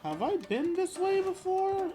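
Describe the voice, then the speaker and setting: A man's voice: very high-pitched, sing-song, unhurried, warm tone. Man casually narrating gameplay over music. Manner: musing aloud. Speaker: video game streamer.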